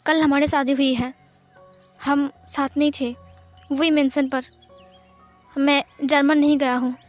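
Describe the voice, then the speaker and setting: A young son in a spoken fan story stumbles over his words while he justifies himself , as a woman reads his lines. The voice is high, with faint music under it. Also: flat delivery, unhurried. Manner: hesitant, explaining. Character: young man, defensive, pleading son.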